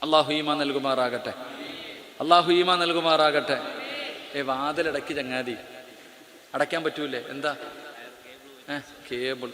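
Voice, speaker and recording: A man's voice: on the high side, steady tone, a little slow, long pauses, bright, forceful tone. A man preaching an Islamic sermon in an auditorium. He speaks straight to the crowd and keeps calling out and questioning his listeners. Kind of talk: sermon to a live hall audience. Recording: echoey auditorium with long reverb.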